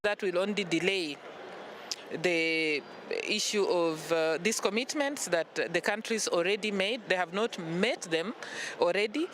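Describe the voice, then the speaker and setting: A woman's voice: on the low side, a little slow, a bit bright. Woman from kenya, firm and pointed, light background noise outside. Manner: firm, critical. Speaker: conservation worker.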